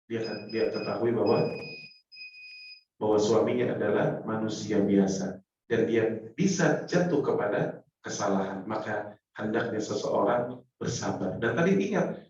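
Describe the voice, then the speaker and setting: A man's voice: on the low side, a little slow, pauses often. A man preaches a sermon to a congregation, calling out to the men and women in it and acting out short exchanges between spouses. His voice rings through a very echoey hall and is picked up from some distance, so it sounds muffled and roomy. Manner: lively, addresses the congregation directly, acts out little dialogues. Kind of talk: Islamic sermon on marriage.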